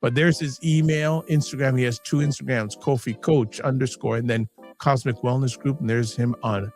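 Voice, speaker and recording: A man's voice: medium pitch, moderate pace, faint music behind. A man hosting a live-streamed talk show, chatting casually and animatedly, often cutting himself off and joking. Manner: animated, self-interrupting, jokey. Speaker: host.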